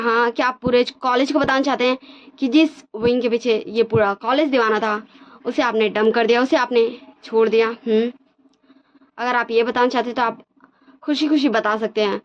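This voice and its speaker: A woman voicing a hurt young male student who apologizes in soft, halting speech. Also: a little high, natural voice. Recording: dull lo-fi recording.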